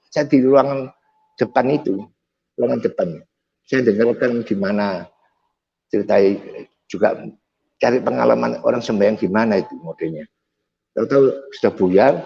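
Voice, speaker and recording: A man's voice: mid-range voice, normal speed, gravelly, long pauses, mellow, a little hiss or hum. A man telling his personal faith testimony as a vivid storyteller, acting out the dialogue and growing intense at the dramatic moments. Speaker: testimony speaker. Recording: dull lo-fi recording.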